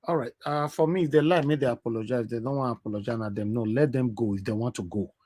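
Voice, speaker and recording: A man's voice: mid-range voice, fast talker, a little mellow, a little hiss or hum. A man with a Nigerian accent hosting a live call-in show, politely steering callers along. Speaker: host of a call-in panel show.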